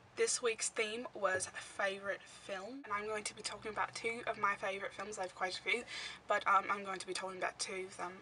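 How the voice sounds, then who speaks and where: A woman's raspy, put-on character voice in a British accent, medium in pitch with monotone, flat intonation and a fairly quick pace, over light background noise. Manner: deliberately bad, unconvincing.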